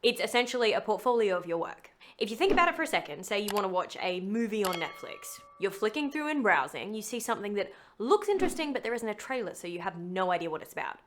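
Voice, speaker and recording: A woman's voice: mid-range voice, big pitch swings, quick pace, hardly any pauses, fairly bright tone, a little hiss or hum. A woman voiceover actor hosting a scripted video tutorial in a chatty, emphatic, playful way.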